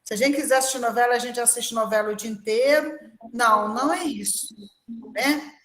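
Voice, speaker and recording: An older woman, her fairly high voice carrying through a reverberant room. She talks in a casual, conversational way, peppering her speech with "né?" as she tells anecdotes. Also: brisk. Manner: conversational, frequent "né?" tags, lively anecdotes. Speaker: guest speaker. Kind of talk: conversation circle talk. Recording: echoey room.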